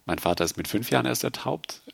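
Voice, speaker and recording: A man from Germany working as a sign language interpreter, calmly explaining terms in an interview with thoughtful pauses. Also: mid-range voice, vocal fry, husky, dry recording. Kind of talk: interview conversation.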